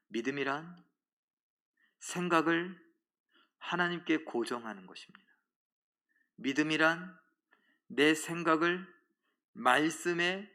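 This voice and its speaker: A man's voice: fairly high pitch, sharp tone. A male pastor preaching a sermon, telling a story and asking the congregation questions. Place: church.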